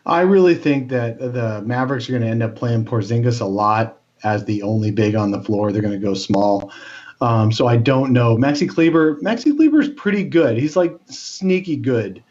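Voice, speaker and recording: A man's voice: mid-range voice, animated, normal speed, a little mellow. A man co-hosting a casual sports podcast, talking with lots of fillers and restarts. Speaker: podcast co-host. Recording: dull lo-fi sound.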